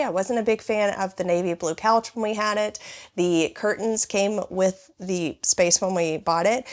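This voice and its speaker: A woman in her thirties with a hoarse, raspy voice from bronchitis, chatting casually as she tours her small living room. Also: on the low side. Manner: chatty, rambling with many "like" fillers. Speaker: home vlogger. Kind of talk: casual home tour vlog.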